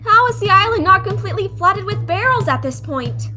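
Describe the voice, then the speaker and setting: A woman's voice: extremely high pitch, lively intonation, a little fast, sharp tone, soft background music, heavily acted. A woman playing a perky, inquisitive young female sightseer in a fan audio drama, with a bubbly manner. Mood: baffled.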